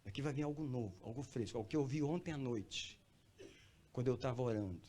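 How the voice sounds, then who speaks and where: A pastor preaching in church, swinging from quiet talk to loud, high cries and calling listeners brother. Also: male voice, a little fast. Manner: addresses listeners as brother, repeats phrases for emphasis. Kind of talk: sermon.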